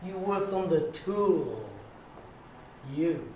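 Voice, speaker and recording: A man, an acting teacher guiding students through a warm-up, encouraging and drawn-out. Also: high-pitched, animated. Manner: encouraging, coaching with drawn-out phrasing. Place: large echoey class studio. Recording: echoey room, distant mic, noisy.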